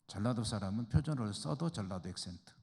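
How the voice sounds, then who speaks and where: A man's voice: on the low side, lively intonation, fast, darkish tone. A man, a pastor from the Chungcheong region, teaching a church Bible study in a conversational way and asking the class rhetorical questions. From Chungcheong, Korea. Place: church hall. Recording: reverberant church hall.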